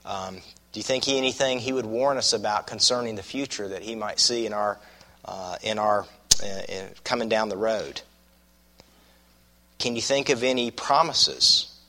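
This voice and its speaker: Croaky Southern preacher, bright forceful voice. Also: male voice, lowish voice. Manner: folksy, deliberate, repeats phrases for emphasis. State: croaky from a cold and cough. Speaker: pastor preaching to his congregation. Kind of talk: expository sermon.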